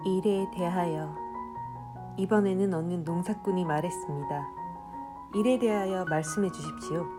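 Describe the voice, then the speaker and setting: A woman's fairly slow speech with very wide pitch swings, set against music in the background. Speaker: audiobook reader. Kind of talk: audiobook reading of prose poetry. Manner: soft, ASMR-style.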